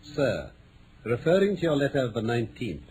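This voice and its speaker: Guy acting brisk english detective, old radio drama, swoopy intonation, proper and exact, bit of hiss. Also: mid-range voice, sing-song, a little mellow, lightly acted, low-quality recording. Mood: formal, dictating. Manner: formal, precise, declamatory. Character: brisk, authoritative English male detective, incisive and courteous. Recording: vintage radio broadcast with faint noise.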